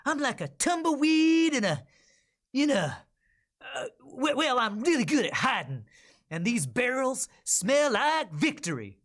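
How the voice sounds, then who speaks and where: A man's voice: extremely high pitch, big pitch swings, unhurried, a bit bright, voice pushed up, exaggerated voice. A man voicing a goofy, rat-like cartoon cowboy outlaw villain, cocky and taunting in a folksy Western way. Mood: gleeful taunting.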